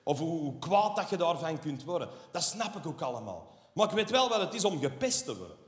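A man's voice: fairly high pitch, a little fast. A Flemish man doing stand-up comedy, ranting and sarcastic, tagging his lines with a questioning "hè". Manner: ranting, animated, sarcastic asides with tag "hè". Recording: roomy hall reverb from a live stage.

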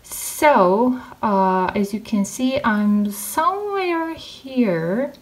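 Young woman, Turkish first language, calm unhurried study vlog voice-over, slightly high voice. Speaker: vlogger.

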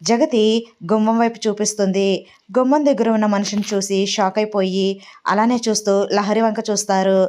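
Woman storyteller, steady narration, mid-pitched. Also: brisk. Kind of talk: scripted narration of a family drama story.

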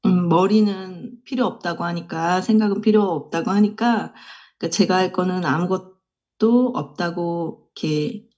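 A woman's voice: lowish voice, moderate pace, darkish tone, muffled recording. A woman student confessing candidly in a question session, hesitant with many fillers and sheepish laughs, over a remote call line.

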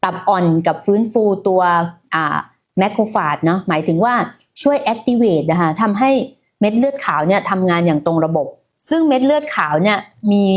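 A woman hosting a casual health livestream, talking in a chatty way and speaking straight to her viewers. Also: medium pitch. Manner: chatty, many fillers, addresses viewers directly.

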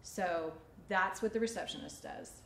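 A woman's voice: mid-range voice, unhurried, sharp tone. A woman in her forties, a salon owner, talking casually and chattily as she teaches during a demonstration. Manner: chatty, informal. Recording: echoey studio room, faint ambient noise.

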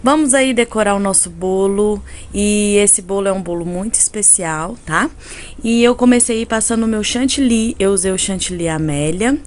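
A woman's voice: medium pitch, normal speed. A Brazilian woman with a honking, nasal voice stuffed up by a cold, chattily narrating a casual tutorial and often checking in with viewers. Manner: chatty, addresses viewers with frequent tag questions. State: congested from a cold. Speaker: cake decorating channel host. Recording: clearly noisy home recording.

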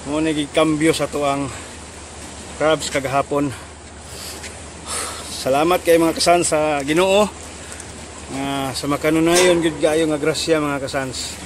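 A man's voice: fairly high pitch, fairly bright tone, slight background noise. A man, talking casually to his viewers through a cloth mask outdoors by the shore and thanking God often. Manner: repeatedly addresses viewers, thankful and devout. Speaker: vlogger. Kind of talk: casual vlog talk.

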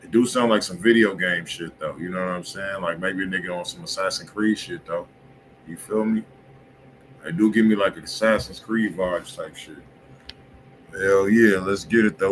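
Sitting at a desk in his home studio, this livestream host reviews music in a fairly low, relaxed voice, full of slang and quick "you feel me" check-ins with his audience. The recording is rough, with a faint hiss of room noise.

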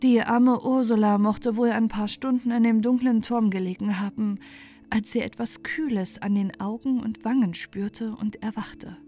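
High-voiced woman telling a fairy tale. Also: fairly even intonation, moderate pace, warm tone. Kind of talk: scripted bedtime story narration. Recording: music bed under the voice.

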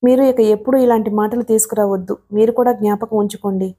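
A woman's voice: medium pitch, steady tone, quick pace, mellow, husky. A woman voicing a loving, anxious young wife who speaks earnestly and reproachfully.

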